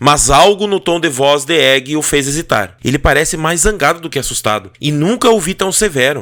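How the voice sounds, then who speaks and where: Using a hoarse put-on character voice, a man talks at a fairly quick pace with lively intonation. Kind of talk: audiobook narration. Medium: read story.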